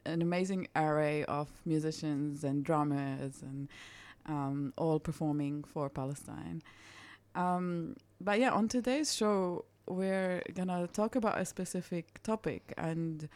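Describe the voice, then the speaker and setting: A woman with a slightly low voice hosts a community radio show. She talks in a relaxed, chatty way, leaning on fillers and friendly agreement. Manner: warm, chatty, many fillers like um and yeah. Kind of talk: casual radio interview.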